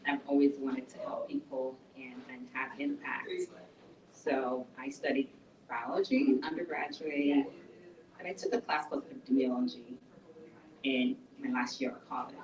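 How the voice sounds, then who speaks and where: Lady author chatting thru her story, low voice, kinda roomy and distant. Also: expressive, normal speed, lo-fi sound. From Nigeria. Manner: conversational, explains plainly. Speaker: author and speaker. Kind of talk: book talk to a small audience. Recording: echoey room from a distance.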